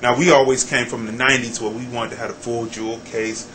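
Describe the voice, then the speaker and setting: A man's voice: mid-range voice, level tone, fast talker, a bit bright, slight background noise, poor audio. A middle-aged American man speaking casually and emphatically in an interview, with informal, street-wise phrasing. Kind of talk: casual opinionated interview talk.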